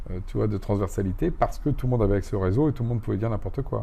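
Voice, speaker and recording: A man speaks with a dark, mellow tone. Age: 50s. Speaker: tech entrepreneur. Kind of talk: casual interview. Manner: halting with many fillers.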